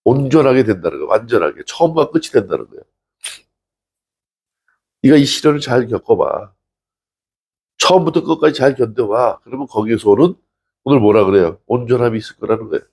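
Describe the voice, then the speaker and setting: Pastor guy preaching, gravelly and a bit husky, keeps asking the church questions. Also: medium pitch, animated, a little fast, long pauses, a little mellow. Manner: conversational preaching, rhetorical questions to the congregation; acts out dialogue from scripture stories. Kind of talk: sermon.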